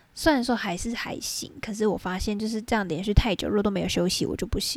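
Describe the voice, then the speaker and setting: A woman with a Taiwanese accent speaks at a very fast pace. Her pitch is fairly high, with ordinary variation. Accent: Taiwanese Mandarin. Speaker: podcaster. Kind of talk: casual solo monologue.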